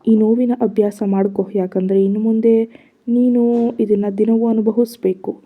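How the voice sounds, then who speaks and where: A menacing, possessive young man in an audio story, cold and threatening in a level, husky voice, as a woman narrator puts him on. The sound is slightly dull and lo-fi. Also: on the high side, flat delivery, moderate pace, natural voice. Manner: threatening, mocking.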